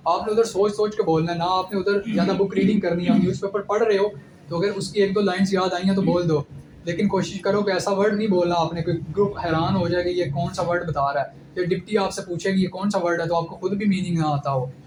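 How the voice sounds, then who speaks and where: A man's voice: high voice, steady tone, fast. A young man giving direct, instructive advice in an informal lecture about his selection-board experience. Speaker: ISSB candidate giving advice. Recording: echoey room with clear background noise.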